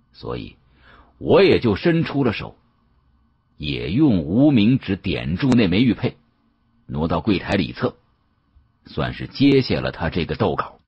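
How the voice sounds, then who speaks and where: A man's voice: sits low, husky. A man narrating an audiobook in a dramatic, first-person storytelling style. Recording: dull, muffled audio.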